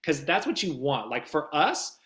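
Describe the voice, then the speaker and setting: Bright, forceful man chatting in an interview. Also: fairly high pitch, sing-song, normal speed. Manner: emphatic, informal, acts out little quoted exchanges. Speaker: voiceover demo producer being interviewed. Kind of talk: animated casual interview chat.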